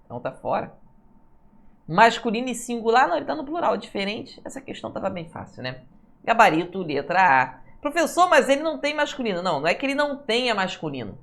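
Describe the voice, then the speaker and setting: A Brazilian woman with a gravelly, medium-pitched voice works through answers in an online Portuguese exam-prep session for civil service tests. She speaks with liveliness, stretches words slowly to stress rules, and regularly asks "tá, pessoal?".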